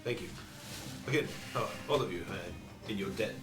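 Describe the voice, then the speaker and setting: A man's voice: lowish voice, lively intonation, moderate pace, over music. A man voicing a fussy, anxious male gnome jeweler who stammers his thanks, recorded in an echoey room away from the mic. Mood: grateful. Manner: flustered, stammering.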